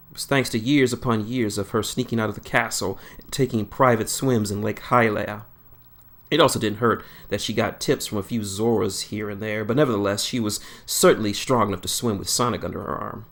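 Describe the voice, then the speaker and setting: Man, author reading own story; low, gravelly, unhurried. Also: fairly bright tone. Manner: unhurried, plain storytelling with small slips. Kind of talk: fan fiction narration.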